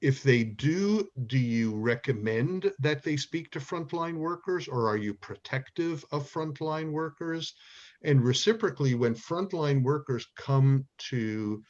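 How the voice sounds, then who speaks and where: A man moderates a panel over dull, lo-fi video call audio. He speaks slowly, and his halting questions are full of "uh" and "um" and fresh starts. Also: medium pitch, lively intonation, a little mellow.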